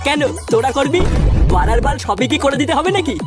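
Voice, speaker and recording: A woman voicing a crude, bossy old grandfather in a cartoon, talking gruffly and swearing. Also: sits high, lively intonation, a little fast. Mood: rude. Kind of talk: cartoon voice acting. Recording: music behind.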